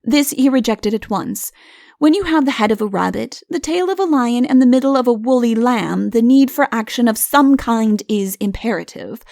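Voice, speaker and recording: Creaky-voiced woman narrating a story. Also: fairly high pitch, animated, moderate pace, a little mellow, dry recording, studio quality. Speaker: audiobook narrator. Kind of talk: scripted comic fairy tale narration.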